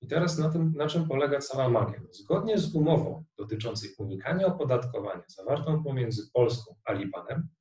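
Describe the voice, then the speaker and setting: A middle-aged man giving a recorded online lecture on tax law, explaining a worked example step by step in a measured way. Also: medium pitch, expressive, a little mellow. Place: room indoors. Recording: roomy, distant webcam sound.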